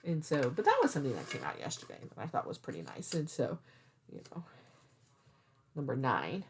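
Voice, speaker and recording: A woman's voice: low voice, wildly swooping pitch, a little fast, a little hiss or hum. A woman hosting a craft vlog, chatting casually in a rambling way and thinking aloud as she goes. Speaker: cross-stitch vlog host. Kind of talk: casual rambling chat to camera.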